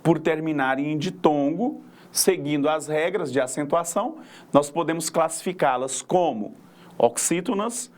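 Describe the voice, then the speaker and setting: A man's voice: fairly high pitch, normal speed. A man with a Brazilian accent teaching a lesson on word stress, patiently counting syllables aloud and checking in with his students as he goes. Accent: Brazilian Portuguese.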